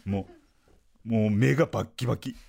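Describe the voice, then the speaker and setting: A man's voice: fairly low pitch, a little fast, creaky, breathy edge. A man with a Kansai accent, hosting a podcast and telling a comic story with lots of acted-out quotes. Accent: Kansai Japanese. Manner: animated, lively storytelling with voiced-out quotes. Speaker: podcast host, comedian.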